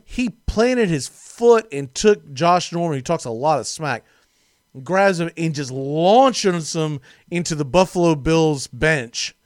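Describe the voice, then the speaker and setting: A man hosting a casual sports talk show, animated and jokey, laughing often as he talks. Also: on the high side, slow, dry recording, clean studio sound.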